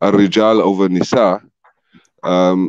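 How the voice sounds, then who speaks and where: A man speaks with an Afrikaans accent in a dark, mellow tone. The sound is dry and close, with no echo. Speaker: caller. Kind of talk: live discussion. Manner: halting.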